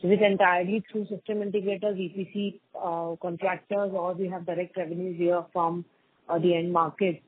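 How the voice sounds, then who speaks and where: A woman's voice: fairly low pitch, flat delivery, brisk, husky, dry recording. A woman, a financial analyst asking questions on an earnings call. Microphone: phone call. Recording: tinny, dry phone line.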